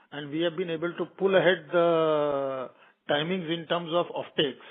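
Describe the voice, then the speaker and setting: A man with an Indian accent answering as a company executive on an earnings call, wordy and halting, often repeating his phrases. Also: a little high. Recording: tinny narrowband phone line.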